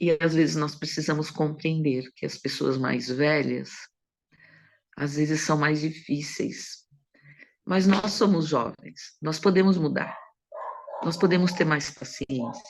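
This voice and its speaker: A woman's very deep, low voice at a very slow pace, with long, frequent pauses and audible room echo. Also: ordinary pitch variation. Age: 60s. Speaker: religious teacher. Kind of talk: lecture; testimony.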